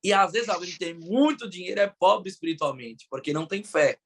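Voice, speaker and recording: Male Brazilian podcast host, enthusiastic and preacherly, slightly high pitch. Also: animated, fairly quick, breathy edge. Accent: Brazilian Portuguese. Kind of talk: Bible study podcast discussion.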